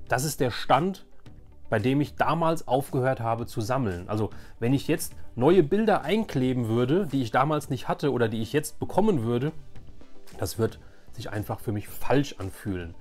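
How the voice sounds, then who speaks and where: A man's voice: medium pitch, darkish tone. Chatty man in his forties, faint music. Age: 40s. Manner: chatty, repeats words for emphasis. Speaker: YouTube host. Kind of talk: casual nostalgic show-and-tell.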